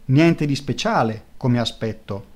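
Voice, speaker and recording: A man's voice: mid-range voice, a little slow, a little mellow, natural voice. A man reading aloud, voicing a haughty, imperious aristocratic grand duchess in a raised voice. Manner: imperious, skeptical.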